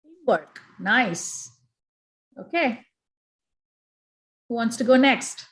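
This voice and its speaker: A woman hosting a feedback session over a video call, briskly prompting each speaker to give their name and country. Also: fairly high pitch, lively intonation. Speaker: event host.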